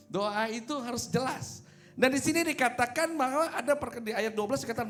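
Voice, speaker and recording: High-pitched male preacher, informal and teasing. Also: a bit bright. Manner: informal, teasing, checks often with listeners using rhetorical questions. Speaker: pastor, preacher. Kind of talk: sermon, conversational and joking.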